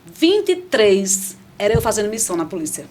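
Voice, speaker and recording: A middle-aged woman speaks as a podcast guest, recounting her conversion story with animated energy. She stumbles, restarts and addresses the room directly, at an ordinary mid pitch. The voice is close on a studio microphone. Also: normal speed. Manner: animated storytelling with frequent restarts and asides to listeners. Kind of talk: conversational faith testimony.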